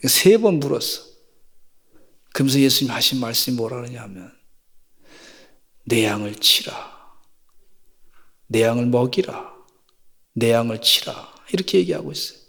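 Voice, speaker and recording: A man's voice: high-pitched, vocal fry, slightly rough, in a large hall. A middle-aged man preaching a sermon as pastor, telling folksy stories and rising to fervent exhortation.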